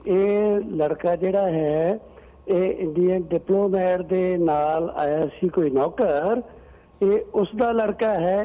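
A man calling in to a talk show, speaking briskly and matter-of-factly. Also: high voice. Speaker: caller. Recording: dull, echoey phone line.

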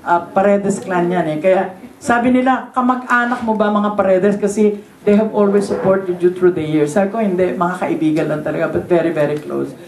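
A woman's voice: medium pitch, fairly quick, darkish tone. A woman in her sixties with a Filipino accent, chatting at a party into a handheld microphone and slipping Tagalog fillers into her English. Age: 60s. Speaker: event host. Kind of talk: casual remarks at a party. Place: crowded living room at a party. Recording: roomy room.

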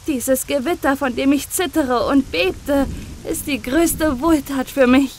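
A woman's voice: high-pitched, a little slow, slight background noise, pitched above the performer's own voice. A woman doing a pleading young boy. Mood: joyful. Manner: pleading, tearful prayer. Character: frightened young boy praying, pious and gentle. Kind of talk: audiobook reading.

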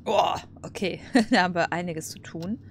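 A woman's voice: lowish voice, normal speed, a little hiss or hum. A woman casually commenting over a game, chatty, laughing and cursing at setbacks. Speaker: let's play host.

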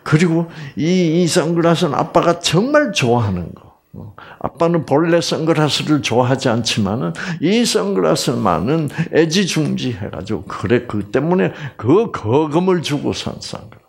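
A middle-aged man giving a Bible lecture, asking his audience rhetorical questions and dropping into soft whispers. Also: on the high side, big pitch swings, moderate pace, creaky, hardly any pauses, breathy edge.

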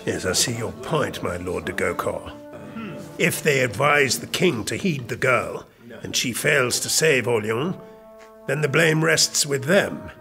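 Scheming, commanding royal chamberlain. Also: male voice, mid-range voice, expressive, a little slow, gravelly, music in the background. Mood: calculating. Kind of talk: audio drama acting.

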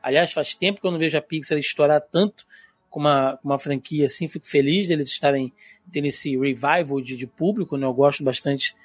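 A man's voice: on the high side, brisk, husky, no room sound, faint music behind. A Brazilian man hosting an interview, chatting casually and thinking aloud with informal asides. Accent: Brazilian Portuguese. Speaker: show host.

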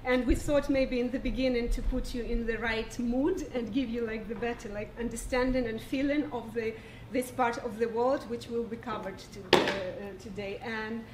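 A woman introduces a short music set, pausing often to find her words. Her slightly high voice comes from far off in an echoey room, with faint noise behind. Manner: hesitant, searching for words. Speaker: musical presenter. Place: small lecture hall.

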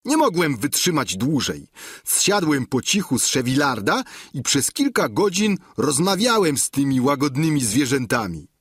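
A man's voice: sing-song, normal speed, a bit bright, husky, no echo. A man voicing a boastful, simple peasant squire who tells his tale in a raised, eager, emphatic voice, in a dry close recording. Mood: eager boasting. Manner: high, eager, emphatic telling.

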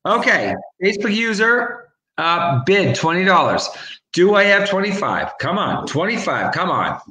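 A man's voice: high voice, very animated, bright, forceful tone, slight background noise. Chatty man calling bids in a roomy echo. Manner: chatty, rapid repetitive bid calling. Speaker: co-host, charity auction caller. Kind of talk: casual livestream chat and auction calling. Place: home room. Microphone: webcam on a video call.

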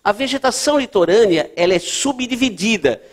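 A man's voice: high-pitched, animated, brisk. A man teaching geography for a test-prep course, explaining at a board and checking in often with his students. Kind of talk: lecture at a board.

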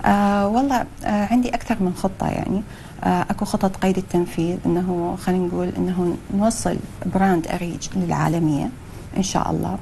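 A young woman with an Iraqi Arabic accent, a guest in a TV studio interview, talking with many pauses and fillers and slipping in English phrases. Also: on the low side, steady tone, creaky, dark tone, slight background noise, low-quality recording. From Iraq.

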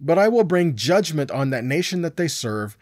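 A man's voice: fairly high pitch, big pitch swings, normal speed, a little mellow, no room sound, studio quality. A middle-aged man teaching scripture in an informal sermon, conversational and often answering his own questions. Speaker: Bible teacher.

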